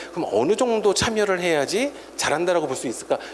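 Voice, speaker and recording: Noticeable background noise sits behind this man. He talks fairly quickly with lively intonation. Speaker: forum presenter on corporate social responsibility. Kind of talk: forum presentation. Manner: fast.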